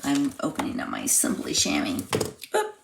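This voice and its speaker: A woman with a slightly hoarse, froggy voice, chatting step by step through a live card-making class. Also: very deep voice, wildly swooping pitch, moderate pace, background noise. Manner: chatty step-by-step explaining while crafting. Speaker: craft class instructor. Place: home craft room.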